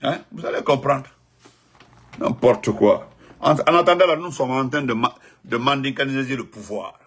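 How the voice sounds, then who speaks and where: A man with a Guinean French accent giving spontaneous political commentary, emphatic and repetitive, jumping from loud outbursts to muttered asides. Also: medium pitch, moderate pace, husky.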